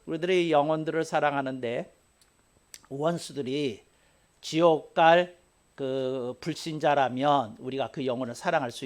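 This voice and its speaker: A man pastor giving a sermon in an earnest, conversational way, often repeating key phrases for emphasis. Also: a little high.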